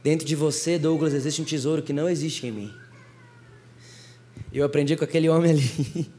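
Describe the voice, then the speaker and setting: A young male preacher with a Brazilian Portuguese accent and a high voice. He tells stories in a lively, animated way and turns often to the congregation as he speaks. His delivery moves at a quick pace. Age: young adult. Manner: animated storytelling, talking straight to the congregation. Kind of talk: sermon.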